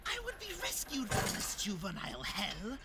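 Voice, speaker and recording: A woman's voice: medium pitch, wildly swooping pitch, moderate pace, creaky. A woman as a wildly swooping, furious director. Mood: outraged. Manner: melodramatic, indignant. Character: melodramatic, furious school play director. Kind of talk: audio drama acting. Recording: loud music behind the voice.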